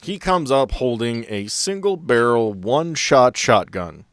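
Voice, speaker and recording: A man's voice: medium pitch, expressive, slow, dry recording. A man working as game master, narrating scenes and chatting casually with players in a tabletop game.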